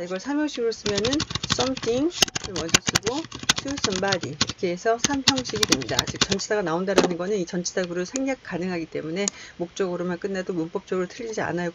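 A woman's voice: mid-range voice, dull audio, a little hiss or hum. A woman teaching an English test-prep lecture, explaining step by step and putting questions to the class before answering them herself. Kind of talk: recorded lecture.

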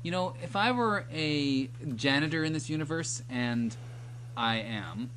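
A man's voice: fairly high pitch, expressive, unhurried, a bit bright. A young man giving casual, joking game commentary in a rambling, teasing way as co-host of a let's play. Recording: clearly noisy home recording.

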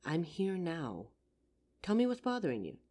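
A woman playing a caring, worried best friend in an audio roleplay, speaking in an earnest, soothing, gently insistent way. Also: lowish voice, huge pitch swings, moderate pace. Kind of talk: roleplay audio drama monologue, intimate comforting.

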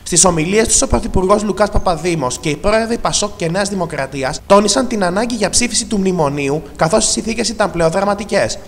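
Male news reporter, measured and reverberant. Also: high voice, noisy background. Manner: even, measured reading of vote counts and names. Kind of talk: scripted news narration.

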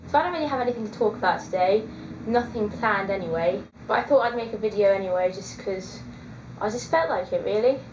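A woman's voice: mid-range voice, lively intonation, fairly quick, darkish tone, a little hiss or hum. A woman in her twenties chatting casually to her webcam, hesitant with many ums. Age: 20s. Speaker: vlogger. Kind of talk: casual chat. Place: small indoor room. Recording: echoey room, dull lo-fi webcam audio.

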